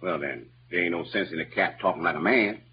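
A man's voice: a little fast, noisy background, close to an everyday voice. An actor playing Jim, a simple-hearted kindly man who speaks in a rural Southern dialect, in an old-time radio drama. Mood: puzzled, earnest. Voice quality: lively, swooping between low mutters and high exclamations. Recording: dull lo-fi old radio recording with music.

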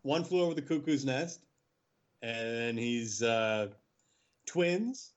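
A man chatting casually on a podcast in short, unhurried remarks. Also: medium pitch, lively intonation, muffled recording. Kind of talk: casual chat.

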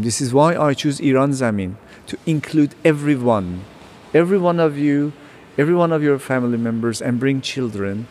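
A man, an exhibition curator, speaking slowly, emphatically and passionately. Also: medium pitch, a little mellow, a little hiss or hum.

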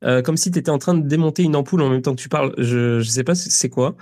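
Podcast host guy, warm dark tone, rambles and stalls a lot. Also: mid-range voice, fast. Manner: rambling, heavy hesitations. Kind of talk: casual interview talk.

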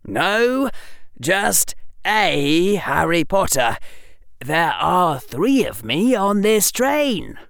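A reader voicing a clever, theatrical eleven-year-old boy wizard who explains himself in a lecturing, deadpan way. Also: mid-range voice, drawn-out words, creaky, dry recording, studio quality, pitched above the performer's own voice, heavily acted. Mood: mock-offended. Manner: lecturing, mock-villainous, deadpan. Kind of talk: audiobook reading.

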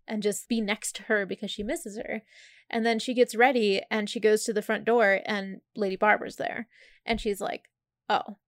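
A woman's voice: medium pitch, dry recording, studio quality. A woman co-hosting a casual book discussion, retelling a plot in a chatty way with many fillers. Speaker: podcast co-host.

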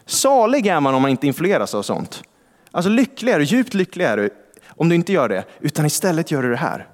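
A male pastor giving a sermon in a church, with a conversational style, asking rhetorical questions and reading scripture slowly. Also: on the high side, big pitch swings. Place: large church hall. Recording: long church reverb.

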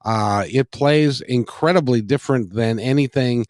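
Man, middle-aged, interview host, effusive, rambling, repeats himself, medium pitch, very dry close sound. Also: normal speed, darkish tone, no echo. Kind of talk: casual music interview.

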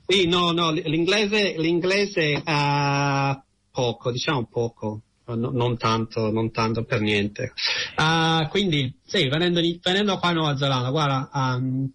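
An Italian man telling personal stories in an interview, hesitant and halting, often repeating words. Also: fairly high pitch, fairly bright tone, slight background noise. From Italy. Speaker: interview guest. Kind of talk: personal storytelling in conversation.

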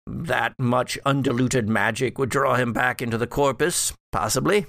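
A man playing a wry, scheming, scholarly old ancestor back from death in a tabletop horror game, speaking haltingly and formally. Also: mid-range voice, creaky, a bit bright, no echo, clean studio sound. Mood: pondering, scheming. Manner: halting, deliberate, formal phrasing. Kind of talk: improvised tabletop horror roleplay.

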